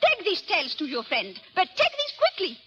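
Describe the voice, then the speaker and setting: An actress playing a distressed, volatile young foreign society ward in theatrical old-time AM radio drama style. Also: female voice, wildly swooping pitch, a little fast, a bit bright, exaggerated voice. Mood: furious. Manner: theatrical, highly emotional. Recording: dull AM radio sound, music.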